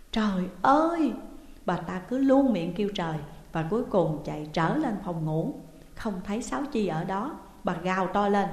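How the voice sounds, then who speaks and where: Một người phụ nữ giọng miền Nam kể chuyện, đọc đều và đầy kịch tính. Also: female voice, medium pitch, a little mellow. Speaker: storyteller. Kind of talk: audiobook narration. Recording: roomy reverberant hall sound.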